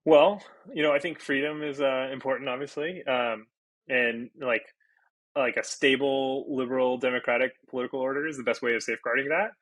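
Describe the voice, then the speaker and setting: Bright-voiced man thinking aloud. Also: mid-range voice, steady tone, brisk, no room sound. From Brazil. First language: Portuguese. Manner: thinks aloud with many fillers and restarts. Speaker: guest. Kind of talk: casual interview talk.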